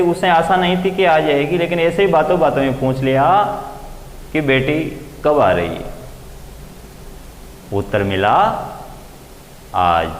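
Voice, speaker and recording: A man teaching Sanskrit grammar in a classroom lecture, explaining slowly and deliberately, and acting out quoted voices with big swings in pitch. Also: a little hiss or hum. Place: coaching classroom. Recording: echoey room with faint ambience.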